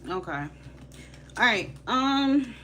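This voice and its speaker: A woman's voice: fairly high pitch, expressive, slow pace, bright, forceful tone, slight background noise. Chatty Haitian-accented woman. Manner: casual, slangy, chatty, laughs easily. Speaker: tarot reader. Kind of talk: live-stream tarot reading.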